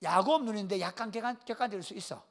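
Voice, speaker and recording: A man's voice: sits high, rapid-fire. A man preaching a sermon with a Gyeongsang Korean accent, telling stories in a casual, joking way and calling on listeners by name. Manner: lively storytelling, calls on listeners by name; colloquial, jokes with the congregation. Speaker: pastor.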